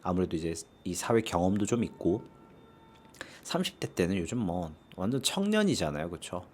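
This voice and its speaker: A man's voice: deep voice, very animated, moderate pace, a little mellow, a little hiss or hum. A man with a sore throat, hosting an investing channel and answering viewer comments in a casual, conversational way, often adding rhetorical tag questions.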